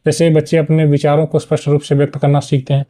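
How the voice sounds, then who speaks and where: A man's voice: on the high side, monotone, quick pace, warm tone. A man teaching an exam-prep lesson, explaining step by step and often checking in with "okay". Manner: explanatory, frequent "ठीक है" checks.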